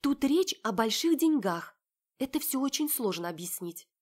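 A woman's voice: on the high side, big pitch swings, normal speed, darkish tone, pitched above the performer's own voice. Woman doing a flustered, pleading sister. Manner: urgent, raised, pleading.

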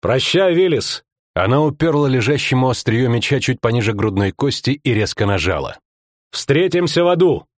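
A man's voice: medium pitch, a little fast, hardly any pauses, no room sound, studio quality, lightly acted. A male audiobook narrator voicing a fierce, blunt woman mercenary captain who gives orders. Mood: grim farewell. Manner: commanding, blunt.

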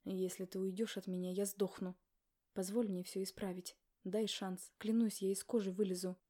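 A guilty husband pleads and insists, as a woman reading an audiobook puts him on. His voice sits low and flat, with a mellow, dark tone. His words press on in a steady run. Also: moderate pace, lightly acted. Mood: pleading. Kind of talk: audiobook character voice.

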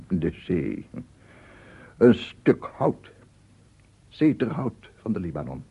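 A male actor playing an embittered, obsessive amateur inventor in a radio drama monologue, husky and halting, swinging between muttering to himself and grandiose declamation. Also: on the low side, heavily acted. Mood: musing. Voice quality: husky, gravelly, often dropping to breathy murmur. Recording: muffled phone-like old radio recording.

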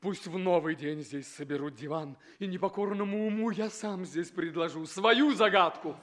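An actor playing an ardent, proud young prince, declaiming theatrically in a 1960s recording of a stage comedy. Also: male voice, high voice, moderate pace, a bit bright. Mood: pleading, proud. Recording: 1960s radio stage recording, audience behind.

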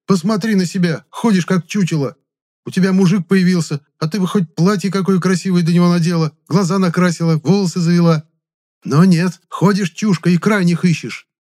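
A man voicing a sharp-tongued young male hero who talks bluntly and scolds. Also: mid-range voice, fairly quick, voice pushed up, lightly acted. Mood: scolding.

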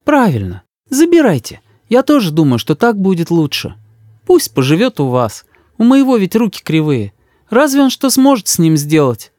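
A man's voice: high voice, huge pitch swings, normal speed, a little mellow, no room sound, clean studio sound, pitched above the performer's own voice. A man putting on an anxious young mom. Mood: agreeing. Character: anxious, tearful young mother.

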